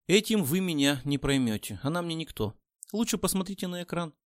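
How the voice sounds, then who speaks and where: A male narrator plays a businessman under threat who refuses to break in a recorded thriller. He speaks firmly, with clipped steel, and his somewhat high voice moves a lot. The sound is close and dry. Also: big pitch swings, brisk, no room sound. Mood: steely defiant. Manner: firm, clipped, defiant. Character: defiant, steely male businessman held hostage.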